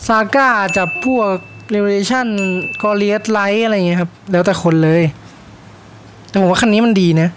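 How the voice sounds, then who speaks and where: A man's voice: high-pitched, takes it slowly, noisy background. A man giving playful, jokey commentary on his own racing game, chattering to himself and slipping into mock race-caller patter. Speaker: mobile racing game streamer. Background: game music.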